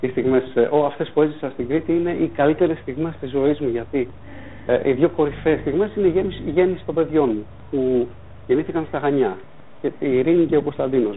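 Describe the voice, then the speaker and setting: Here a man speaks with a fairly high pitch. His pace is moderate and his pitch variation ordinary. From Athens, Greece, with Chania family roots. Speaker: author and musician. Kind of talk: interview, personal reminiscence. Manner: hesitant, many fillers.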